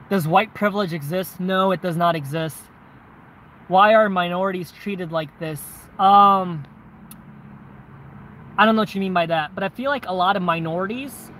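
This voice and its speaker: With a Southern accent and a high, somewhat bright voice, this vlogger chats casually through viewer questions against slight background noise. His talk is conversational, full of tag questions like "right?" and words like "man" and "bro."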